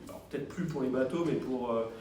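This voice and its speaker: A man's voice: medium pitch, fast talker, darkish tone. Distant man asking a question in an echoey hall. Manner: hesitant, many fillers. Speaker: audience member asking a question. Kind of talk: conference Q&A. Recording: very echoey hall, distant mic, faint noise.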